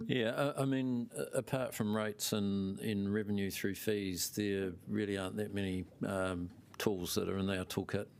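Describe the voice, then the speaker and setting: A man's voice: fairly low pitch, fairly even intonation, moderate pace, creaky, hardly any pauses, darkish tone, clear, resonant tone. A man speaking as a council officer in a formal meeting, plain and hesitant.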